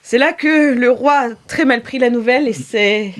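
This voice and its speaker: A woman's voice: fairly high pitch, moderate pace. A woman narrating as game master of an improvised tabletop game, hesitant and full of filler sounds. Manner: hesitant, many filler sounds, laughs often.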